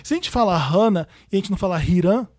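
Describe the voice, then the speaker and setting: A man's voice: high-pitched, expressive, fast talker, a little mellow, no echo. Man from Brazil, casual chat, rambling, easily amused, dry close sound. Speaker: podcast co-host.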